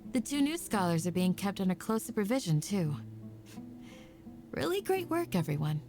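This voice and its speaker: A woman's voice: medium pitch, big pitch swings, normal speed, over music. A woman playing an earnest, caring young team member in a video game, composed and encouraging. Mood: reassuring.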